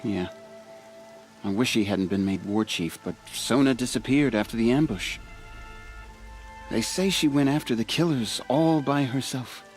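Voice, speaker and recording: An actor playing a humble, earnest young tribal stitcher in a video game, soft-spoken, sincere and a little hesitant. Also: male voice, mid-range voice, a little slow, faint music behind, lightly acted, poor audio. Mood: worried, cautious. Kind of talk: video game cutscene acting.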